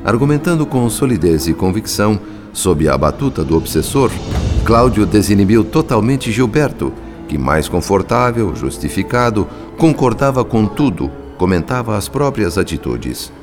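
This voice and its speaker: Narrador brasileiro solene, voz grave. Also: male voice, on the low side, big pitch swings, music in the background. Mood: grave, observant. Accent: Brazilian. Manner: measured, literary, solemn. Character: grave, thoughtful male spirit narrator observing human families. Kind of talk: scripted radio drama narration.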